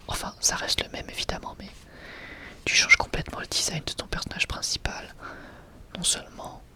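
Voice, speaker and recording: Whispered voice, breathy, casual ASMR chat, rambling, self-correcting. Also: mid-range voice. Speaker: ASMR video creator presenting a manga collection.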